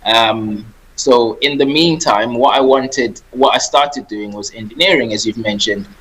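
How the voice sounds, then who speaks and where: A man's voice: medium pitch, measured pace, a bit bright, slightly rough, low-quality recording. Friendly talkative man from Zimbabwe. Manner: friendly, laughing, talkative, repeats words. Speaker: guest, property investor. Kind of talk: radio interview.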